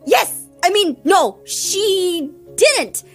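Young woman as stammering anxious teen girl, very high and slow, faint music behind. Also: animated, full character voice. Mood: flustered. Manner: nervous, stammering, flustered. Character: flustered anxious teenage girl. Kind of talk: voiced animated roleplay.

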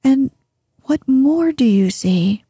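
An earnest young princess girl speaks in a raised, breathy whisper, as a woman reader puts her on. The voice is hushed and husky, unhurried and mellow in tone, with a close, dry sound. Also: high-pitched, animated, dry recording, pitched above the performer's own voice, full character voice. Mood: bewildered.

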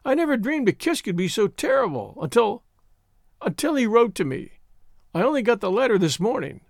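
A man voicing a high-pitched, quavering, naive young woman. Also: wildly swooping pitch, a little mellow, dry recording, clean studio sound, heavily acted. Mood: tearful pleading. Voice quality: faint, small voice. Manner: hesitant, quavering, halting. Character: naive, distressed young woman, pleading and stubborn. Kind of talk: dramatised audiobook story reading.

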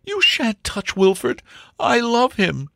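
A man's voice: wildly swooping pitch, takes it slowly, creaky, fairly bright tone, no echo, clean studio sound, exaggerated voice. A man voicing a devoted, dramatic young woman in love in a comic storybook reading, exclamatory in manner. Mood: pleading, defiant. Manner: high, exclamatory.

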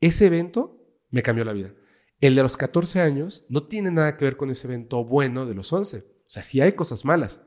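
A man's voice: mid-range voice, expressive, moderate pace. Mexican man telling a tense story. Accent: Mexican Spanish. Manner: dramatic storyteller, drops to a hush for tense moments. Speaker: guest, paranormal investigator. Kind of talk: casual storytelling interview.

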